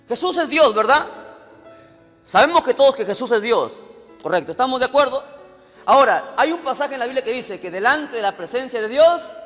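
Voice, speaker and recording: A man with a high voice preaches a sermon in a church hall, with a long reverb trailing his words. He keeps asking his listeners questions and checking that they are with him, while faint music plays underneath. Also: fairly bright tone. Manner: questions the congregation directly, checking they follow. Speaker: evangelist preacher.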